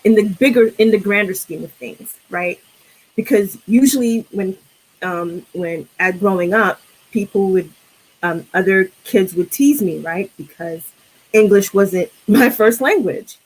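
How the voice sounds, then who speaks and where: A woman with a New York accent, a guest on a film discussion, speaking reflectively with many pauses and restarts. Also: mid-range voice, slightly rough, rough recording.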